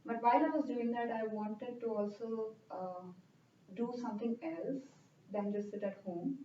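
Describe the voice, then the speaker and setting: A woman in her thirties from India with an Indian accent, earnestly answering interview questions at a careful, steady pace. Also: fairly high pitch, moderate pace, a little hiss or hum. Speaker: club member interviewee. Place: club meeting room. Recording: roomy, distant, dull sound.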